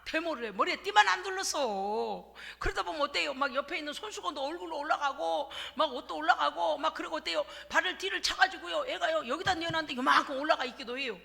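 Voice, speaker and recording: A woman's voice: sits high, fast talker, gravelly, hardly any pauses. A woman pastor giving a sermon, telling stories with humor and acting out little scenes. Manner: lively, humorous storytelling with acted-out asides. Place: church sanctuary. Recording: reverberant church hall.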